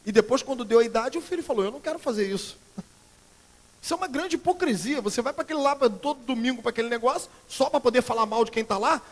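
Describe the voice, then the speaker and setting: A high-voiced male pastor with a Brazilian Portuguese accent preaches a sermon in a church sanctuary, where a long reverb tail follows his words. His emphatic delivery swings between loud outbursts and quiet, earnest passages.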